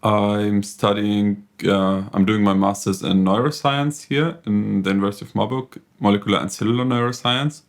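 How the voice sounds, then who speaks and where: A young man from Syria introduces himself in a low voice with a strong gravelly fry. He speaks slowly and deliberately. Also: steady tone. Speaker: neuroscience master's student, interviewee. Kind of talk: interview self-introduction.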